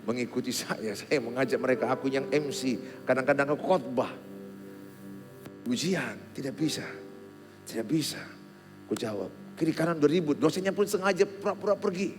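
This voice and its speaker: A middle-aged pastor preaching a Christmas sermon in an animated way, swinging between loud exhortation and quiet, humorous storytelling. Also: male voice, mid-range voice, moderate pace. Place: large church hall. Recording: long hall reverb with faint music.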